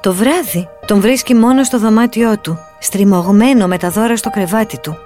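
A woman narrating a children's Christmas story in an expressive, animated way. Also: mid-range voice. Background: soft music.

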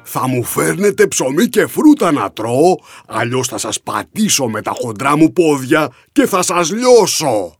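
A man's voice: a little high, very animated, husky, no room sound, soft background music, pitched above the performer's own voice, heavily acted. A man voicing a small, lazy, boastful male dragon in a children's story, blustering and threatening. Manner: blustering, threatening, then whining. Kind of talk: storybook narration.

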